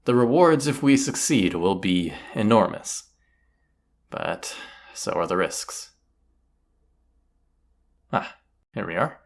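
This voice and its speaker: A man's voice: low-pitched, creaky, full character voice. A man playing a cocky, teasing, commanding bandit leader in a roleplay audio drama, casual and swaggering. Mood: teasing, confiding. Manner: casual, teasing, swaggering, rhetorical tag questions.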